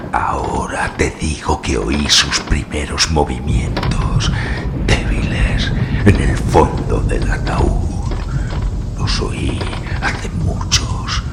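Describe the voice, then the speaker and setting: An actor playing a mad, terror-stricken nobleman in a gothic radio horror drama, halting and feverish, with a gravelly, whispery voice. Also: rumbling low, very noisy, exaggerated voice. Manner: halting, feverish, breathless declamation.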